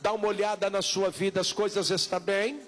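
Male Brazilian evangelical pastor, high-pitched voice, insistent and repetitive altar-call delivery with drawn-out words. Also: level tone, a bit bright. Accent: Brazilian Portuguese.

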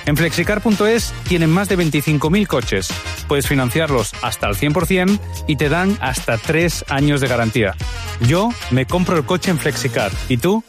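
A man's voice: a little high, animated, moderate pace, music in the background. A man reading a radio commercial as a conversational testimonial.

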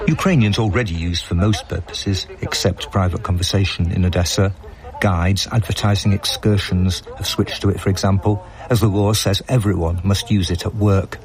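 A man narrates a radio news feature in a somewhat low voice. His delivery is calm and even, like a practiced scripted report. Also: moderate pace.

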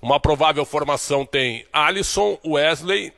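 Man, correspondent, sports report, slightly high voice, steady delivery. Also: moderate pace, vocal fry. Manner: steady, informative, fluent.

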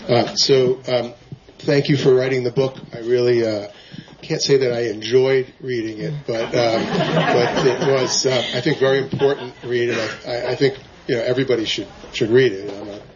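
A soft-spoken man in the audience, wry and halting, asking the author a question. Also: mid-range voice, steady tone, lo-fi sound, very noisy.

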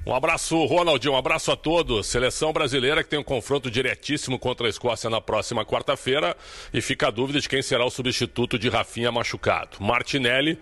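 A man with a medium-pitched voice delivers a sports report. His delivery is steady and informative. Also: fast. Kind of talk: read report.

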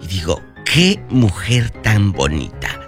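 A man's voice: fairly low pitch, huge pitch swings, takes it slowly, soft background music. A man hosting a radio show, gossiping about celebrities in a campy, chatty and theatrical way. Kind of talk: gossip chat.

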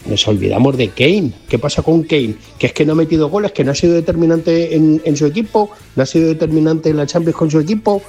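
A man's voice: on the high side, fast talker, few pauses, a little mellow, husky, faint music behind. A man calling in to a sports radio show, exasperated and repeating himself. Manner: exasperated, repetitive. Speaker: caller.

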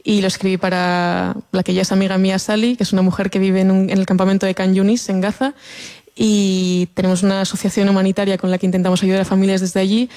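A woman in her twenties from the Basque Country, a native Basque speaker, chatting about her music in a relaxed, somewhat hesitant way. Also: mid-range voice, fast talker. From Basque Country, Spain. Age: 20s. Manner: relaxed, hesitant, laughs softly. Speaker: singer, interview guest. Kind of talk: casual interview.

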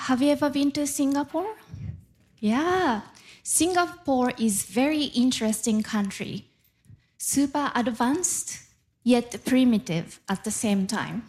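A woman's voice: a little high, a little mellow. A woman from Japan with a Japanese accent, doing a stand-up comedy set on stage with playful crowd work. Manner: slow, deliberate joke delivery with playful crowd work. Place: live comedy venue with audience.

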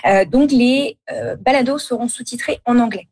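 A woman's voice: on the high side, normal speed, a little mellow. Hesitant woman with a French accent. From France. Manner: hesitant, many fillers. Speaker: podcast host and career coach guest. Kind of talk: radio interview answers.

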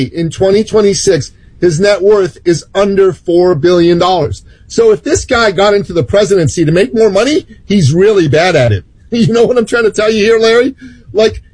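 A woman's voice: medium pitch, lively intonation, moderate pace, a little mellow, breathy edge, dry recording. A woman from Iran, a guest commentator making emphatic, indignant political points. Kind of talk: political talk.

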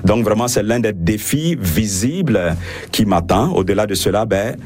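A man's voice: fairly low pitch, expressive, moderate pace, a little mellow, faint music behind. A French-speaking man, a priest, answering radio interview questions with many fillers and restarts.

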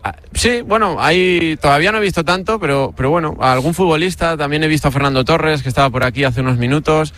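Spanish guy from spain doing a live radio report, talks fast, chatty, keeps repeating himself. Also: a little high, fairly bright tone, slight background noise.

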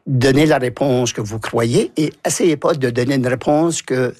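An older man from New Brunswick with an Acadian French accent, a former journalist telling lively stories in an interview. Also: mid-range voice, normal speed, no echo, clean studio sound. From New Brunswick, Canada. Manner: lively anecdotal storyteller, acts out quotes. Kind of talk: storytelling interview.

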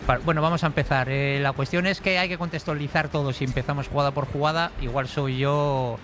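Ref analyst guy, fast but methodical, breaks each call down. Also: fairly high pitch, fairly even intonation, a bit bright, soft background music. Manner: methodical, explains rules step by step. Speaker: refereeing analyst. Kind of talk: calm technical analysis.

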